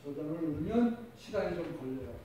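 A man's voice: fairly high pitch, lively intonation, brisk, noisy background. A middle-aged man giving an informal, instructive classroom demonstration as a teacher, often checking in with his listeners. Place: indoor classroom. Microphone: far camera. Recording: echoey classroom, distant mic, music.

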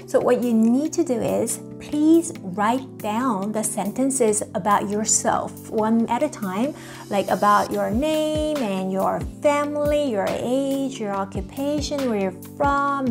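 A woman in her thirties teaching a language online, explaining patterns patiently and slowing down for translations, recorded on a lapel mic in a small home studio. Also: a little high, over music. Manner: patient, explanatory, slows down for English glosses.

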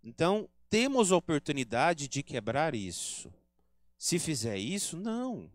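A man's voice: fairly high pitch, sing-song, unhurried, dry recording, clean studio sound. A man with a Brazilian Portuguese accent giving an earnest spiritist lecture at a spiritist center, teaching and acting out quoted remarks. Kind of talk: religious lecture.

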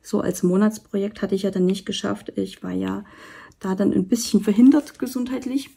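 Gravelly, husky woman chatting while painting. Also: mid-range voice, fairly even intonation, normal speed. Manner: chatty, rambling, many fillers and soft asides. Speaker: diamond painting vlogger. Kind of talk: casual chat while painting. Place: indoors at a table. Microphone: camera over the work table, hands seen.

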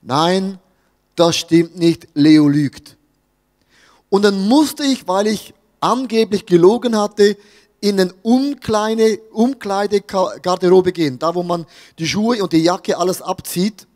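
High-voiced Swiss German pastor preaching. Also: male voice, measured pace, darkish tone, big-room sound. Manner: storytelling, jokey, talks to the audience. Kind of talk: sermon.

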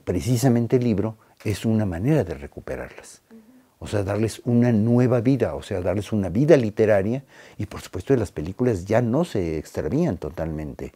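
A man's voice: lowish voice, lively intonation, normal speed, dark tone, husky. A man, a film critic and author, giving interview soundbites emphatically, with restarts and fillers.

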